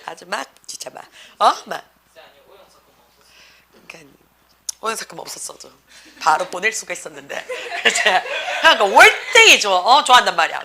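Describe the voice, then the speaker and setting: Lively, bright-voiced Gyeongsang teacher woman. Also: on the high side. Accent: Gyeongsang Korean. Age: 40s. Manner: chatty, teasing, asks the class constant check questions. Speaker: English academy teacher. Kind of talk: classroom lecture.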